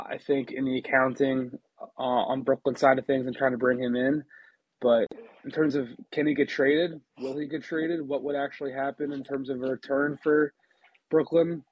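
A man with a slightly husky, mid-pitched voice hosts a casual sports podcast. He talks in a chatty way and often restarts his sentences. The sound is dry and close to the mic. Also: no echo, dull audio. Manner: chatty, many restarts, eating a sandwich while talking. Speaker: podcast host and NBA reporter.

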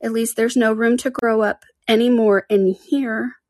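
An earnest young storybook girl, played by a woman, chatting and reasoning with herself. She sounds puzzled and musing, a little high, in a very dry recording. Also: steady tone, unhurried, a little mellow, no echo. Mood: sorrowful, musing. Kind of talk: storybook character voice.

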